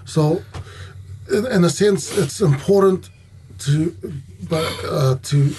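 A man's voice: on the high side, slow pace, dark tone, a little hiss or hum. A man, a professional wrestler and guest chatting casually, laughing easily and restarting phrases as he goes. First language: Tongan. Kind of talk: casual podcast chat.

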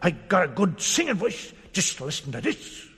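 A man's voice: high voice, huge pitch swings, moderate pace, fairly bright tone, husky, in a large hall, exaggerated voice. A man voicing a friendly, chatty little male mouse in a storybook.

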